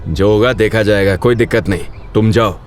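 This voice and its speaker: A man acting a confident, skeptical leader of an investigation team in an animated story. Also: lowish voice, brisk, slight background noise, natural voice. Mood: dismissive, breezy.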